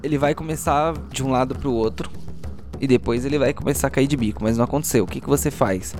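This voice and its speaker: A man's voice: mid-range voice, fast talker, a little mellow, faint music behind. A man with a Brazilian accent improvising narration as game master, describing action step by step and checking back with players.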